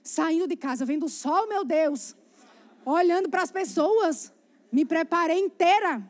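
A woman preaching, her voice set high and bright. She tells her sermon as a chatty, animated story and keeps turning to speak directly to the congregation. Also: unhurried.

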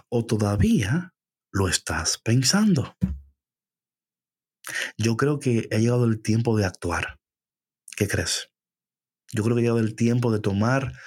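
Husky-voiced man preaching conversationally. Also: medium pitch, a little mellow. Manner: conversational, asks the listeners questions. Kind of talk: sermon.

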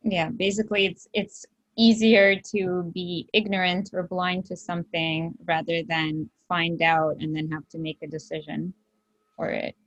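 Woman host, lowish voice, dry close sound, reflective and measured. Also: flat delivery, a bit bright, dry recording, low-quality recording. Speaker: podcast host. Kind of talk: casual conversational interview. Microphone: remote call microphone.

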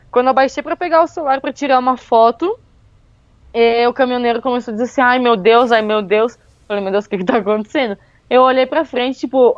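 A woman tells a travel story in a casual, chatty way, full of fillers. Her voice sits a little high. The recording is close and dry, with a slightly dull, muffled tone. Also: no room sound. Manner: lively, with many fillers like "tipo" and "meu". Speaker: guest telling a travel story.

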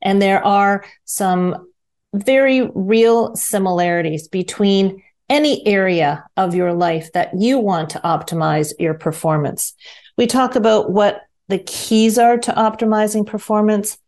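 A woman's voice: mid-range voice, measured pace, darkish tone. A woman with a mid-range voice hosts a radio health show. She moves from a scripted intro into easy, conversational questions for her guest.

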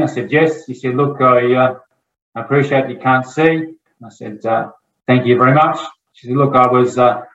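Australian male speaker, mid pitch, measured storyteller, echoey room, slightly muffled recording. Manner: measured, storytelling with fillers like "I suppose". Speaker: motivational speaker. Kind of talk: public speaking with anecdotes. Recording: roomy, slightly dull sound.

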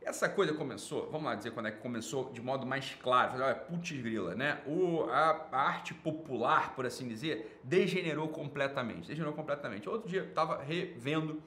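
A man's voice: medium pitch, animated, a little fast, hardly any pauses, pushed and bright. A Brazilian man giving informal, off-the-cuff commentary as a program host, opinionated and emphatic, with repetition and slangy, profane wording.

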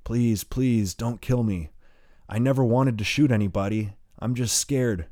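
A man's voice: fairly low pitch, takes it slowly, dark tone, no room sound, studio quality. A man voicing a wounded, frightened teenage boy who pleads for his life. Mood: pleading. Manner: pleading, begging.

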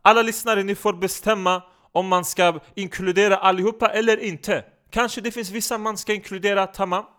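A man voicing a brash, excitable comedian who speaks loud, broken Swedish. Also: sits high, hardly any pauses, smooth, pitched above the performer's own voice. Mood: cheeky. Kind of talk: comedy podcast sketch.

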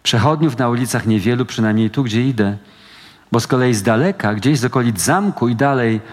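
A male actor giving a measured, expressive dramatic reading of first-person literary prose at a book event. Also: medium pitch. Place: event hall at a book meeting. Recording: long hall reverb.

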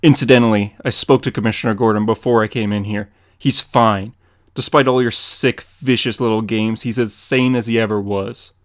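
A man voicing a grim, determined male masked vigilante in a dramatic comic reading, earnest and measured. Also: on the low side, fairly even intonation, no room sound, clean studio sound, close to an everyday voice. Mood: stern.

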